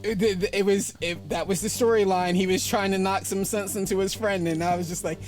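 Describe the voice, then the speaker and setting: A man with a high voice co-hosts a casual podcast, recounting events with plenty of swearing and laughing asides. Faint music sits behind his talk. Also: steady tone, a little fast. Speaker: podcast co-host. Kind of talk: casual chat.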